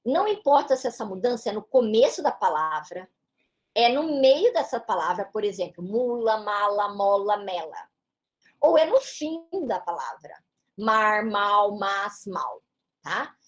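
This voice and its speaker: A woman's voice: medium pitch, animated, measured pace. A woman teacher with a São Paulo Brazilian Portuguese accent, explaining a lesson patiently and checking in with short tag questions. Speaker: English teacher. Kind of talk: classroom-style lesson explanation.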